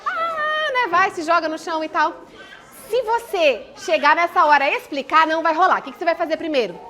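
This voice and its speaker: Woman speaker at a parenting lecture; very high pitch, crisp bright tone, conversational and explanatory delivery. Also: animated, fairly quick. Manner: explanatory, poses and answers her own questions; conversational, tag questions.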